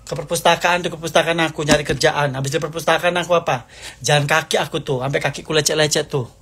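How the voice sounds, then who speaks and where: A man's voice: on the high side, steady tone, fast, fairly bright tone, slightly rough. A man delivering an angry, accusing rant to the camera, hammering the same points over and over. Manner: heated, accusing, repetitive.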